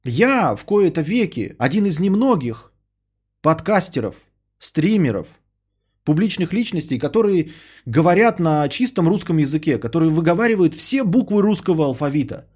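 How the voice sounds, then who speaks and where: A man's voice: a little high, sing-song, normal speed, darkish tone, husky. A man, a podcaster and streamer, ranting in a sarcastic, indignant tone and swearing freely as he answers a viewer.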